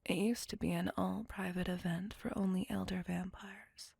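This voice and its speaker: A woman's voice: lowish voice, fairly even intonation, warm tone, dry recording, full character voice. A woman voicing a possessive, remorseful female vampire lover in a whispered ASMR roleplay, talking in an intimate, doting way. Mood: tender. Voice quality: whispered, breathy and gravelly. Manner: intimate, apologetic, slow and doting.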